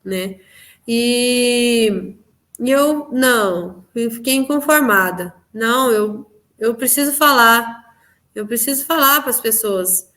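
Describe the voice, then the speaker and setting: A woman's voice: on the high side, takes it slowly, bright, forceful tone. A woman with a Brazilian accent telling of her spiritual experiences in an interview, earnest and emphatic, often repeating her phrases. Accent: Brazilian Portuguese. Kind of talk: personal testimony in an interview.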